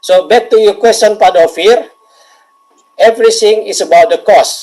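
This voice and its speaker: A man speaks at a high pitch with an Indonesian accent. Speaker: webinar speaker, energy entrepreneur. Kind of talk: webinar Q&A answer. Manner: animated.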